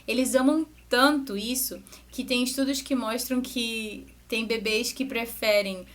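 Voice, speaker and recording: A young adult woman, a music teacher, explaining to parents in a relaxed, conversational way with asides and restarts. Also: fairly high pitch, a little slow. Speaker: music teacher and channel host. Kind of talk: educational talk to parents.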